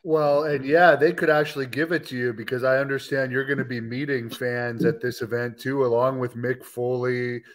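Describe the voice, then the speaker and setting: Medium-pitched man hosting a podcast. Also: flat delivery, moderate pace, hardly any pauses. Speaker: podcast host. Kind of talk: casual interview chat. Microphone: video call.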